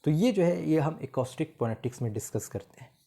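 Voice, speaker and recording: Dark-voiced male teacher explaining phonetics. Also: fairly high pitch, lively intonation, creaky. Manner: mixes Hindi-Urdu with slowly read English definitions; writes on a board while explaining. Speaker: English teacher.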